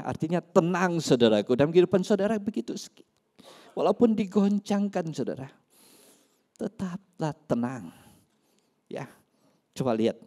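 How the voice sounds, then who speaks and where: A pastor preaching a sermon in church, swinging between loud emphasis and soft asides. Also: male voice, a little high.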